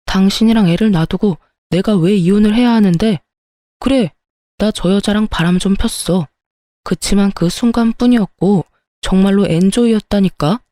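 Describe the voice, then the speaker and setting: A woman's voice: medium pitch, mellow, no echo, clean studio sound, natural voice. A woman voicing a young husband who pleads and makes excuses, in a dramatized story. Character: young adult man, cheating pleading husband.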